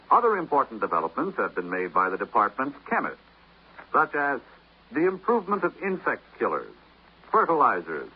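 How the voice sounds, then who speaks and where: A man's voice: mid-range voice, husky. A man reading a scripted public service announcement on the radio, in a conversational, explaining manner. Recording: dull old radio recording with faint noise.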